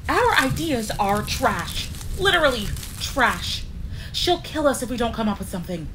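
A woman's voice: fairly high pitch, big pitch swings, moderate pace, noisy background. An actress in a comedic audio drama playing an anxious, earnest witch, fretful and emphatic. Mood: frantic, insistent. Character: anxious, earnest witch fretting over a prophecy. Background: storm ambience.

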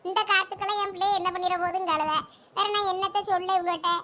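A woman's voice: very high voice, flat delivery, fast talker, sharp tone, slight background noise. Woman playing a scolding village aunt. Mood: bantering. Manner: scolding, bantering.

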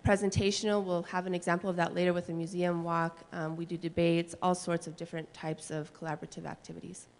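A woman high school language teacher giving a steady conference talk into a handheld mic on stage. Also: quick pace, few pauses. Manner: steady, explanatory, some fillers. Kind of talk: conference presentation. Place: large school hall, on stage. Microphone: handheld microphone. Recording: long reverb of a large hall.

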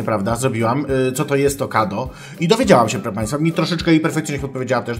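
A man's voice: medium pitch, natural voice. A man playing a pompous, crude self-styled female sex therapist, lecturing in mock-scholarly tones and swearing, over faint background music. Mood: indignant. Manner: mock-scholarly lecturing, keeps addressing the audience formally, swears. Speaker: advice-show host. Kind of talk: comic character monologue.

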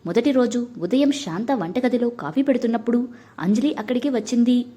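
A woman narrating a family drama in a steady, measured storybook reading. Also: on the high side, breathy edge.

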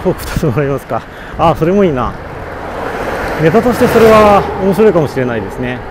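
Man chatting from his bike in loud wind. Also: fairly high pitch, big pitch swings, fast. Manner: chatty, answers viewer comments aloud while riding. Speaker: cycling live streamer. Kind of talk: casual live-stream chat while cycling. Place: outdoors on a bicycle by the road. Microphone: camera mounted on the bicycle. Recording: loud wind buffeting, road traffic. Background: strong wind noise and passing traffic.

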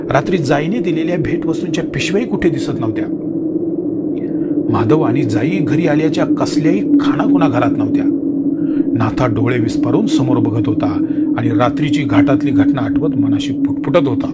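A man narrates a scripted horror story in a measured, steady way, his voice sitting on the higher side. A loud, constant hiss and chirping crickets fill the background.

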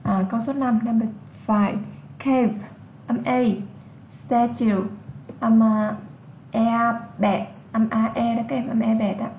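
A woman's voice: on the high side, flat delivery, takes it slowly, a little mellow, roomy sound, a little hiss or hum. A woman from Vietnam with a Vietnamese accent, teaching an English exam lesson, patiently repeating words and explaining their sounds.

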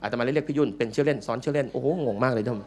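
A man's voice: mid-range voice, steady tone, rapid-fire, darkish tone. Joking male monk giving a dharma talk. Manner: joking, playful, teasing the audience. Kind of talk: humorous dharma talk to an audience. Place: large meeting hall with live audience.

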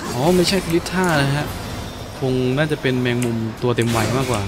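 A man's voice: medium pitch, expressive, brisk. Exclamatory man commentating over game music. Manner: exclamatory, reacting to play with interjections. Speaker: video game streamer. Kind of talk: gameplay commentary. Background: video game music and effects.

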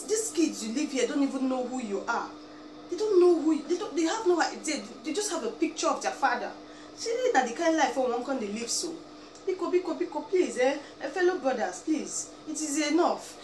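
A young Nigerian woman with an Igbo accent, seated at home and talking emphatically to the camera, pleading and scolding with frequent "eh?" asides. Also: on the high side. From Nigeria, Abia State. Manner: emphatic, pleading, peppered with "eh?" and "biko". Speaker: vlogger. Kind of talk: animated rant to camera. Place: small indoor room, seated in chair. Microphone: camera a few feet away. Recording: roomy, distant, noisy home recording.

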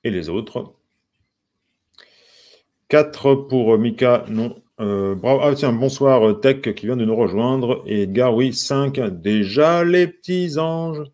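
A man's voice: medium pitch, takes it slowly, dark tone. French man teaching songwriting live. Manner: patient, counting syllables aloud and greeting viewers by name. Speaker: music teacher. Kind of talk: live-streamed songwriting lesson.

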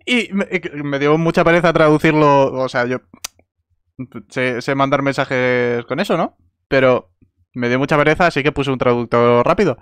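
A man's voice: mid-range voice, fairly bright tone, smooth. Sweary Spanish man swapping casual gamer anecdotes. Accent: Spain. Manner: colloquial, sweary. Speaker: online roleplay gamer.

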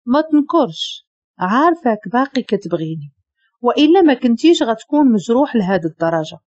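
A jealous young Moroccan woman, pleading and bitter, her voice pitched high and shaky, as a woman narrator plays her. The tone is lively and husky, in a dull, lo-fi recording. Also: fairly quick, no echo.

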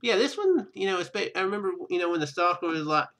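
Bright, animated man doing casual game commentary. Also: high voice, quick pace. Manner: rambling, joking. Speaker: let's play host.

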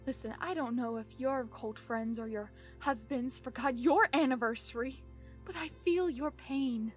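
A woman's voice: high-pitched, unhurried, faint music behind. A woman playing a hurt, exasperated young mare pony wife, confiding dramatically in a fan fiction monologue. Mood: apologetic, confiding.

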